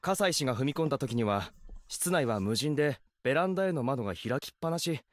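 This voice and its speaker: An actor playing a calm male detective explaining a case, in a measured explanatory delivery for a game. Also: medium pitch, no room sound, close to an everyday voice. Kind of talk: Japanese game voice acting.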